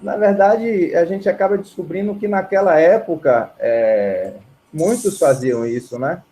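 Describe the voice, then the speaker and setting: Guy w a warm mellow voice, chatting in a music interview over a call, bit of background noise. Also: high voice, unhurried. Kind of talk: casual interview storytelling. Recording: clear steady background noise.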